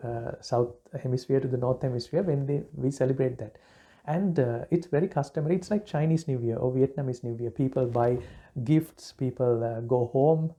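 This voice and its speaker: A man from Sri Lanka, a Buddhist monk giving a relaxed dharma talk, pausing often with fillers and restarts. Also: mid-range voice. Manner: halting, many fillers and restarts.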